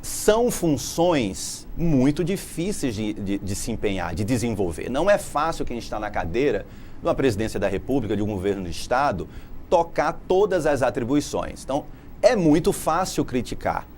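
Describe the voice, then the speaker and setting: Man being interviewed on tv, mid-pitched, talks through his ideas, bit of faint noise. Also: big pitch swings, moderate pace, darkish tone. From Brazil. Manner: articulate, explanatory, laughs easily. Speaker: political scientist guest.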